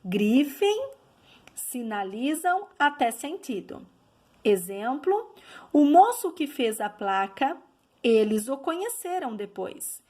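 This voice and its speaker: A woman's voice: sits high, very animated, takes it slowly, warm tone. A woman teacher giving a video lesson, explaining patiently and checking in with her class as she goes.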